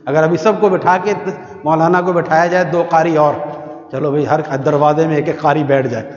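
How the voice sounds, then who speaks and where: A man from Pakistan preaching a sermon to worshippers in a mosque, conversational with rhetorical questions, sometimes reciting verses in a slow melodic chant. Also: fairly high pitch, fairly even intonation. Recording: echoey hall, muffled sound.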